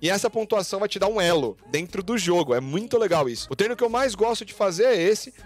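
Fast-talking Brazilian man streaming games. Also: high voice. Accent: Brazilian Portuguese. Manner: fast, excitable calls to teammates. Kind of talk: casual gaming stream chat.

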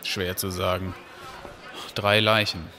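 A man's voice: low voice, little pitch movement, slow, background noise. An actor playing a weary, stressed man in an audio drama, terse and matter-of-fact. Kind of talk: German audio drama acting. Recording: clear background ambience.

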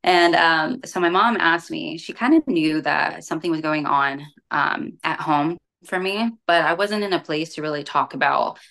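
A woman's voice: sits low, normal speed, vocal fry, hardly any pauses, a bit bright. A young adult woman, casually telling her personal story in a conversational way, peppered with "like" and "you know". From born in Europe, grew up partly in the United States. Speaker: bikini competitor and fitness coach, podcast guest. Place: small room at home.

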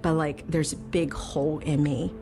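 A woman from China, in her forties, telling her life story in a studio, pausing often with fillers. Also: low-pitched, little pitch movement. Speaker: testimony speaker. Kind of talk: personal testimony. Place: bright studio. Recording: soft music underneath.

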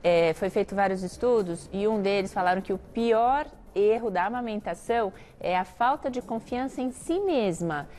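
A woman's voice: medium pitch, moderate pace, hardly any pauses, darkish tone. A woman with a Brazilian accent, a gynecologist guest on a TV talk show, explaining and giving advice fluently. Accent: Brazilian Portuguese.

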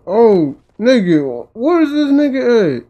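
A man's voice: very high-pitched, very animated, slow, highs cut off. A man giving casual, profane, slangy commentary while playing a game. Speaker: gamer commentator. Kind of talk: casual let's play commentary.

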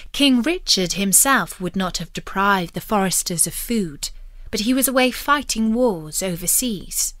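A woman narrating a storybook tale in a measured, expressive scripted delivery. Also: mid-range voice, no echo.

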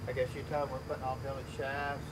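A man's voice: medium pitch, level tone, quick pace, a crowd in the background. A middle-aged man talking casual shop talk as a mechanic in a garage. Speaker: transmission mechanic, co-presenter. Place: auto repair garage, under a lifted truck. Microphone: camera a few meters away. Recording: noisy garage, distant camera mic.

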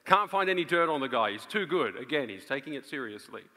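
A man in his thirties preaching an earnest, emphatic live sermon with dramatic pauses on a large auditorium stage. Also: medium pitch, very animated, bright, forceful tone. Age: 30s. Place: on stage in a large theatre before an audience. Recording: reverberant large auditorium sound.

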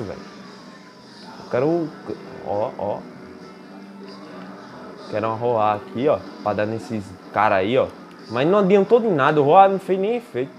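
A young Brazilian man with a Brazilian Portuguese accent, giving excitable gameplay commentary while racing and trash-talking the game. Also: a little high. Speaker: gaming YouTuber.

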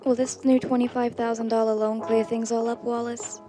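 A woman's voice: fairly high pitch, flat delivery, normal speed, music in the background, natural voice. A woman playing a businessman's doubtful, anxious wife in a 1930s-style radio drama. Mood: anxious, doubting.

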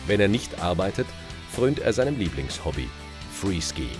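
Narrator, man, very deep voice, measured read, music bed clearly audible. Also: sing-song. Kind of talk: scripted documentary narration. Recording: voice-over with loud music behind.

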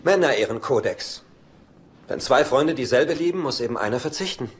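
A man's voice: medium pitch, expressive, moderate pace, close to an everyday voice. An actor playing a laid-back, flippant womanizing uncle in dubbed sitcom dialogue. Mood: wry, casual. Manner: flippant, wry. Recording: TV soundtrack with faint background noise.

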